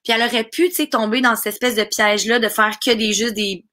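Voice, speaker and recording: A young adult woman with a Québécois French accent talks as a podcast guest. Her voice sits slightly high and sounds bright, even sharp. She chats in an animated way, tumbling through quick asides and fillers. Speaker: guest, voice actress. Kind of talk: casual podcast chat.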